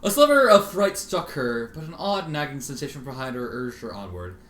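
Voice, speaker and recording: Sardonic guy reading fan fiction out loud, bright voice, lots of swing, echoey room. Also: medium pitch, a little fast. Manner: expressive, sardonic. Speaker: amateur fan fiction reader. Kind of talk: dramatic story reading with casual asides. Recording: roomy, faintly noisy home recording.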